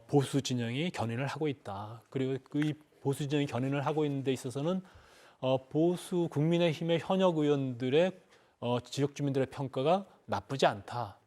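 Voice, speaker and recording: Middle-aged male ex-politician, measured and halting, lots of fillers, studio panel guest. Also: medium pitch, darkish tone. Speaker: former lawmaker, panel guest.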